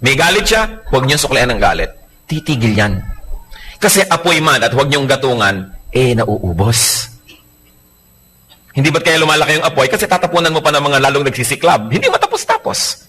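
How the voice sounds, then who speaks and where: Male pastor, joking sermon delivery, bright tone. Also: mid-range voice, normal speed. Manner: animated, joking preacher.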